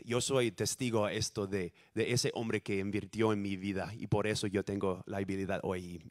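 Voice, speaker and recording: A man from the United States, a native English speaker, preaching a sermon in halting, self-correcting Spanish with lively storytelling. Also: fairly low pitch. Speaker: guest preacher.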